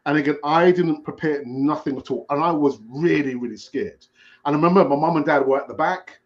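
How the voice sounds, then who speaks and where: Rambling storytelling man, slightly high. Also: a little fast, highs cut off. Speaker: podcast host. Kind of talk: casual chat.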